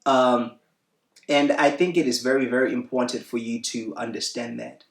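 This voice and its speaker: A man on a discussion panel, speaking in a measured, preachy way. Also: mid-range voice, fairly even intonation, gravelly. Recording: echoey room from far off.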